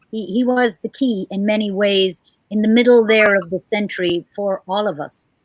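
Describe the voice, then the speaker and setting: In an Irish accent, a woman talks at a moderate pace with a medium pitch and ordinary pitch variation. The sound is dry and close, without echo. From Ireland. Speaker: writer. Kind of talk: panel discussion. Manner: halting.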